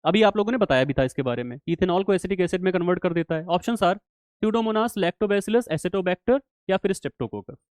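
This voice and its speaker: A man's voice: high voice, animated, normal speed, darkish tone, no room sound. A young man teaching a live online exam-prep class in a casual manner, often checking in with his students. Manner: casual, repeats "theek hai" and "clear", addresses students as bhai. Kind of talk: live online class, solving quiz questions.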